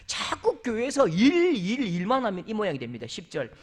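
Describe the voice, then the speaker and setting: A man from South Korea delivers a church sermon with a high, lively voice that leaps up and down in pitch. He is animated and playful, slipping into other people's voices to make his point. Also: brisk. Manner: animated, acts out quoted voices with big pitch jumps. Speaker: pastor. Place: church sanctuary.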